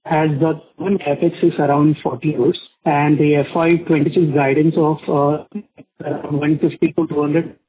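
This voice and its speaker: A man's voice: fairly high pitch, little pitch movement, normal speed, slightly rough. Direct a man calling in as an analyst, asking polite, formal questions while his line keeps breaking up into choppy fragments. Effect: breaking-up, choppy phone line audio. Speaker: analyst caller on an earnings call. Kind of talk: conference call question. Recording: tinny, distant phone line.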